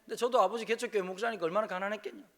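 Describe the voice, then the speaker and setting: A male pastor from Busan, preaching a revival sermon in a church with humor, moving between quiet asides and loud exclamations. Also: high voice, fairly even intonation, very fast. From Busan, South Korea. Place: church sanctuary.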